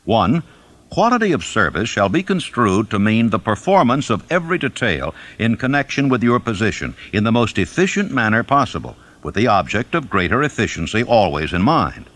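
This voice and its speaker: A man narrates a self-help audiobook in a fairly low voice. His pitch moves widely as he reads, and he lays out each point with deliberate emphasis. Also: very animated, a bit bright.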